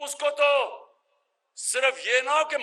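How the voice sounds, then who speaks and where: A man projects a raised voice that is extremely high in pitch, with a bright, sharp tone. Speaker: politician. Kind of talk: political rally speech.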